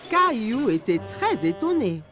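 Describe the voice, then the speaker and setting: A woman's voice: on the high side, very animated, unhurried, music in the background. A woman reading scripted children's story narration as the storyteller of a cartoon.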